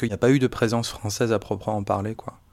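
On a very clean recording with a silent background, a man talks fairly quickly at a medium pitch with fairly even intonation. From France, partly raised in Egypt, Egyptian parents. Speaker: interviewee. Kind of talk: personal testimony. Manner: halting.

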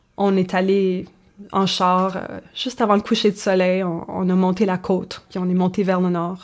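A woman speaks very slowly in a flat monotone with a Manitoba accent. The recording is very clean, with a silent background. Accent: Franco-Manitoban French. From Manitoba, Canada (Franco-Manitoban). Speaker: singer-songwriter. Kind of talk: interview. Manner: halting, many repetitions and fillers.

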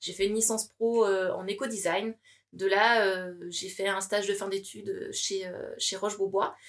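Her medium-pitched voice is monotone and flat as the woman speaks at a fairly slow pace. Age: 30s. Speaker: startup founder. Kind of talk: casual interview chat.

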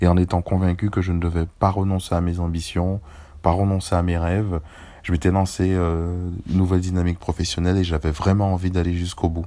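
A man talks at a fairly quick pace in a very deep, low voice. His tone is dark and mellow, and his intonation stays monotone and flat. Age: 30s. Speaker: entrepreneur with kidney disease. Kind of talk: personal testimony.

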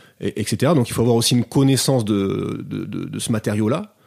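A man with a Toulouse accent, medium pitch and fairly even intonation, on a very clean recording with a silent background. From southern France, Toulouse. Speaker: podcast host. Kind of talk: casual interview. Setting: guest's home studio.

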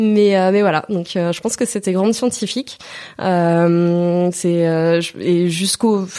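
A woman speaks at a medium pitch with a dark, mellow tone. Her pitch variation is ordinary. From Lorraine, Moselle near Thionville, France. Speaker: entrepreneur. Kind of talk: interview. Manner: hesitant, many fillers.

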